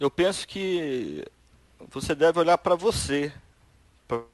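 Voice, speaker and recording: A man's lively intonation at a very slow pace, in a dry, close sound with no echo. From Brazil, Curitiba (Paraná). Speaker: entrepreneur. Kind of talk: interview.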